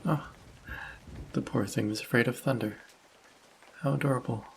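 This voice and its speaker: A man playing a friendly, polite vampire who speaks gently and reassuringly in an intimate roleplay audio drama, with a husky voice. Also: mid-range voice, moderate pace, slight background noise, close to an everyday voice, poor audio. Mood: tenderly amused. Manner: polite, soft-spoken, reassuring, gently teasing. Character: friendly, courteous male vampire, gentle and caring stranger. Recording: rain sound effects behind the voice.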